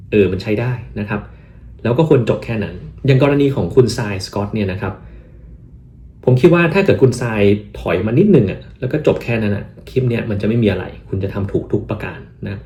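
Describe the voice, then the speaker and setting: A man from Thailand talking casually as host, giving advice and acting out replies he would give. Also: on the low side. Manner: animated, acts out quoted replies in English.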